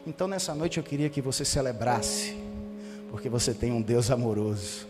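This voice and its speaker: A man preaching a sermon as pastor, telling lively family stories and acting out the dialogue. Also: mid-range voice, moderate pace. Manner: animated storytelling with quoted family dialogue. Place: church sanctuary. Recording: church hall reverb with music behind. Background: guitar music.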